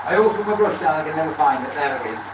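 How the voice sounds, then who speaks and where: A man's voice: animated, rapid-fire. A man with a Welsh accent chatting casually on a livestream while he works, often repeating phrases for emphasis. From Wales. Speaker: live streamer, beginner woodturner. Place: indoor woodturning workshop. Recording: echoey workshop, loud machinery noise. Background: lathe motor rumble.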